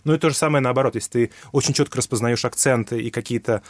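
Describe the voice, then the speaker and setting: A man talks fast and at length, explaining his ideas with plenty of fillers and self-corrections. The sound is dry and close, with no room around it. His pitch sits in an ordinary middle range. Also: no echo. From Russia. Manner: fast, thinking aloud with many fillers and restarts. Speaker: guest, English teacher. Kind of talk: explanatory conversation.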